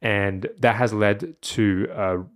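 A man hosting a science and careers podcast, talking in a relaxed, explanatory way with some self-deprecating asides. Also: fairly low pitch, takes it slowly. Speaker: podcast host. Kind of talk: casual podcast chat.

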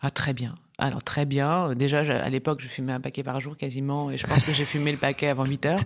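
A woman in her forties from Paris, a business tax lawyer chatting as a podcast guest, talking in lively bursts with quick asides and frequent laughs. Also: a bass voice. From Paris, France. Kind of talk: casual interview chat.

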